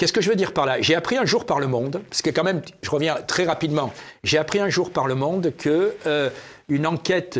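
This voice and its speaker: At a fairly quick pace, a man talks in an unremarkable speaking voice with ordinary pitch variation. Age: 60s. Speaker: politician. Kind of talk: interview.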